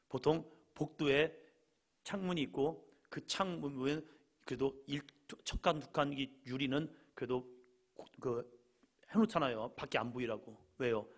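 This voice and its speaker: A male pastor preaching a Friday evening sermon, telling stories and acting out quoted lines, sometimes shouting and sometimes dropping to a quiet aside. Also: mid-range voice.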